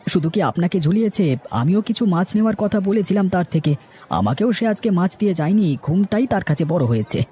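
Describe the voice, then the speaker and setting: A man's voice: high voice, animated, quick pace, mellow, slight background noise. A man voicing a humble, grumbling village man in a cartoon story. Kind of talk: Bengali cartoon story dialogue. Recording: faint music behind.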